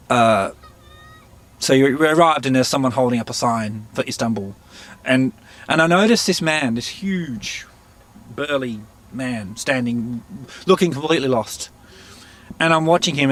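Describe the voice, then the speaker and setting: A man telling stories in an interview, halting and searching for words, often laughing. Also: medium pitch. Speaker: interviewee, musician. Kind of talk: casual storytelling interview.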